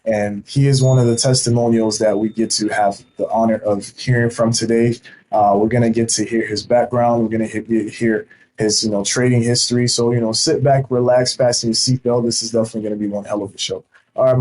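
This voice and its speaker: A man's voice: mid-range voice, flat delivery, fairly quick, darkish tone, slight background noise, rough recording. A man from Haiti hosting a casual podcast interview over a video call, talking in a hype, slangy way. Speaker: podcast host.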